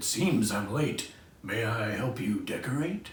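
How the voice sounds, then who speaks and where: A man puts on a raspy character voice at a medium pitch and moderate pace, with slight echo. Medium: read story.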